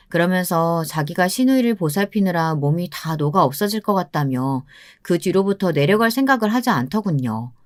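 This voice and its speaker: Calm woman narrating a first-person story. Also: on the low side, no echo, clean studio sound.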